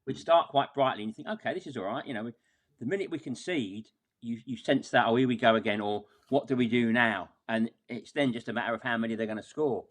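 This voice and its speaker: A man's voice: mid-range voice, quick pace. A man talking casually through a football match as a podcast guest, wordy and exasperated, often repeating words as he goes.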